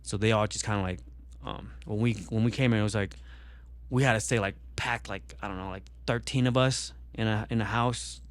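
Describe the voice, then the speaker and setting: A man's voice: fairly low pitch, steady tone, brisk, clear, resonant tone, no room sound. A young man born in Vietnam, talking casually on a podcast and rambling with many fillers and restarts. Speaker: podcast guest.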